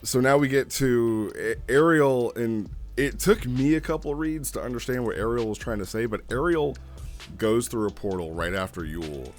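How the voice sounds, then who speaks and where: A man hosting a casual review, talking informally and haltingly in an amused way as he thinks aloud. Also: medium pitch, faint music behind. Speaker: host reviewing role-play logs. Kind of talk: casual rambling review commentary.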